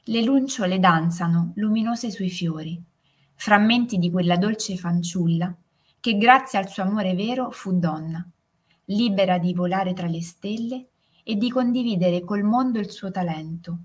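A woman narrating a fairy tale in a calm, soothing way. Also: mid-range voice, breathy edge. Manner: slow, soothing, gently emphatic. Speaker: storyteller.

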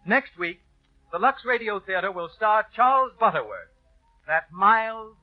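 High-pitched male 1930s radio announcer. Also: very animated, a little slow. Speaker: radio show host and announcer. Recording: muffled 1930s radio broadcast with music.

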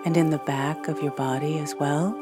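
A woman guiding a scripted meditation in a gentle, soothing, soft-spoken way, leaving long pauses between short phrases. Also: low-pitched, fairly even intonation. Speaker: meditation guide. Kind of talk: scripted guided meditation narration. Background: new-age music.

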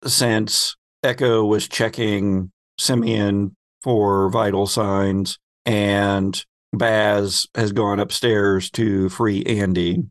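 A man's voice: lowish voice, little pitch movement, very slow, no room sound. Man narrating a tabletop game, dry close sound. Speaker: game master and host.

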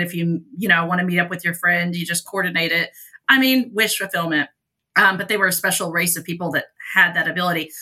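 A woman's voice: lowish voice, sharp tone. A woman guest author chatting casually on a podcast, talkative and self-deprecating.

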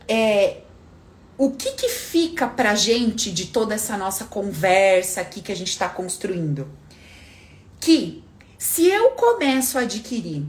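Lively high-pitched chatty woman. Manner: animated storyteller, acts out quoted voices; informal and chatty, calls listeners "minha filha" and "menina". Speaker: live stream host. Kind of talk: casual motivational live talk.

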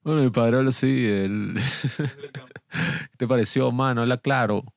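A man's voice: medium pitch, measured pace, gravelly, no echo, studio quality. A man co-hosting a casual film review podcast, rambling and joking as he talks. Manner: rambling, joking, laughs often. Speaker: podcast co-host.

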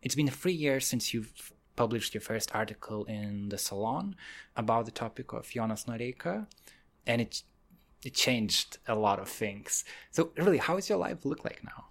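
A man's voice: mid-range voice, lively intonation, normal speed, creaky. Hesitant male podcast interviewer. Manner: hesitant, restarting questions.

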